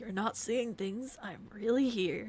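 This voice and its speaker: A woman does a put-on character voice that is raspy and fairly high in pitch. Her pace is fairly slow. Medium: solo performance. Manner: warm, easygoing.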